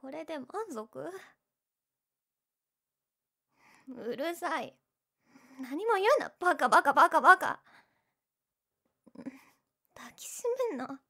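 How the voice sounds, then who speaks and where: A woman's voice: high-pitched, expressive, measured pace, vocal fry, exaggerated voice. A young woman playing a teasing, prickly, secretly lovestruck tsundere childhood friend in a romantic audio drama. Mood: embarrassed, tender. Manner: bratty teasing, flustered, emotive.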